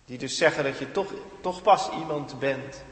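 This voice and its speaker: A man preaching a sermon with earnest emphasis, rising to emphatic peaks and dropping quiet again. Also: on the high side, normal speed. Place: church. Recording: echoey church hall with long reverb.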